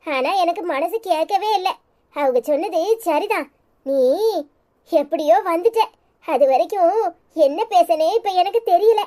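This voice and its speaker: In a cartoon, a woman with a Tirunelveli Tamil accent voices a fierce, tearful village mother who is emotional, fiery, and worried. Her voice is very high-pitched and dark in tone, and she speaks at a measured pace.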